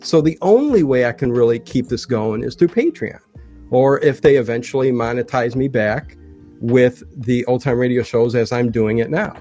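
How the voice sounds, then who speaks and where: A man's voice: medium pitch, moderate pace, mellow, faint music behind. A man who makes an online show, chatting casually and earnestly. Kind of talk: casual chat.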